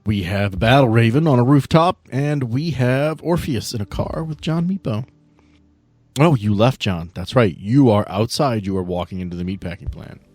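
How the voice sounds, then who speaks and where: A man's voice: medium pitch, animated, moderate pace, darkish tone, dry recording. A man hosting and narrating a tabletop game in a playful, conversational way as he sets scenes. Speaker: host and game master.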